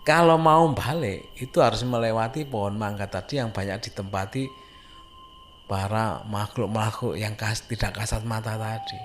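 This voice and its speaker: A man's voice: on the low side, moderate pace. East Javanese man telling ghost stories, noisy recording. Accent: East Javanese Indonesian. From Indonesia, a Javanese-speaking village. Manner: conversational, suspenseful, repeats phrases for emphasis. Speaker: horror story narrator. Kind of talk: informal spoken ghost storytelling.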